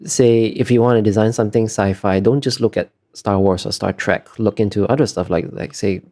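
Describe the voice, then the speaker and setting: A man's voice: fairly low pitch, fairly quick, dark tone. A man being interviewed as an artist, talking casually and explaining in a hesitant, self-correcting way.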